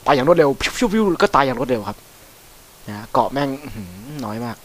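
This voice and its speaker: A man giving casual, chatty commentary over a video game, swearing freely and breaking into excited whoops. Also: medium pitch, fast, a little hiss or hum. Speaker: gameplay commentator. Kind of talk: casual let's-play commentary.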